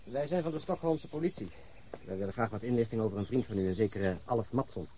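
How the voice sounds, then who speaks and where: A man's voice: fairly low pitch, quick pace, warm tone, slight background noise, natural voice. An actor playing a blunt, impatient male detective in a radio drama.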